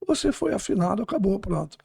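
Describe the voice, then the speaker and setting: A man hosting a podcast, chatty and lively, often agreeing and laughing. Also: high-pitched, quick pace, vocal fry, breathy edge, no room sound, studio quality. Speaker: podcast host, teacher. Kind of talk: casual podcast chat.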